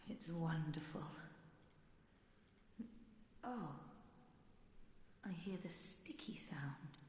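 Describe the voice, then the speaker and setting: Game character: a frail, grateful patient; slow, soft and breathy, set in an echoing hall with faint hiss. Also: female voice, fairly low pitch. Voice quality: breathy, half-whispered. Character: frail bedridden female patient, once a blood saint, eager to please. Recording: echoey game audio with long reverb and faint noise.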